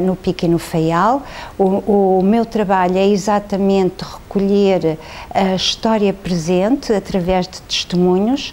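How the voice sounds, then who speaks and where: A woman at medium pitch and a fairly slow pace, over noticeable background noise. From central Portugal (Ourém). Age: 60s. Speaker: anthropologist. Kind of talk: interview. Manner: hesitant, many fillers.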